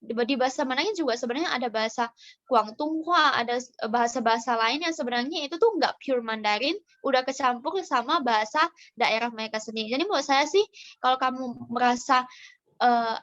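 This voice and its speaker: A woman's voice: fairly high pitch, a little fast, fairly bright tone. A young woman answering a webinar question over a video call, hesitant and thinking aloud with fillers. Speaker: guest speaker. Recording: muffled call audio.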